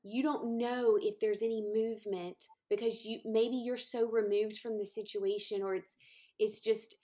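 A woman's voice: mid-range voice, warm tone. A woman podcast host speaking heartfelt encouragement to listeners, repeating phrases and using many fillers.

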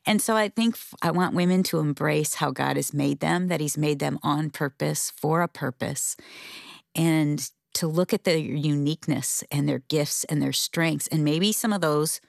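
A middle-aged woman talks candidly on a faith-based marriage show. Her voice sits low with a gravelly fry at the ends of phrases. She sounds heartfelt and open, recorded close and dry in a studio. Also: normal speed, dry recording. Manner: heartfelt and candid, speaks openly about feelings. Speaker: co-host of a marriage radio show. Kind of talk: earnest faith-based conversation.

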